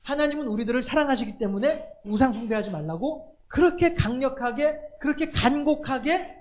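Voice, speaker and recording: A man's voice: very high-pitched, a little fast. A male pastor, preaching in a conversational way, asking the congregation questions and acting out little quotes. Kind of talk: sermon.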